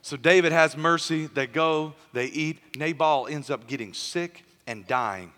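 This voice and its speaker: Bright-voiced preacher in an echoing hall. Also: male voice, a little high, unhurried. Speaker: pastor. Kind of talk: sermon.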